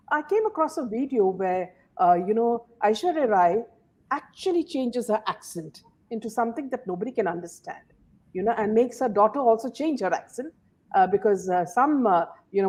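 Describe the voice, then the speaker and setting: A woman's voice: medium pitch, a little mellow. Woman hosting a chatty commentary. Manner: many fillers and "you know"s. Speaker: host. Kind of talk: casual commentary chat.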